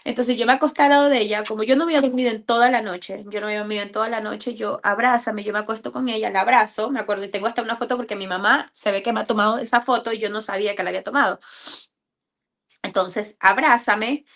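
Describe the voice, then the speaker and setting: A mother telling a personal faith testimony in a halting way, often repeating words and restarting phrases. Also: a little high, fairly even intonation, a bit bright.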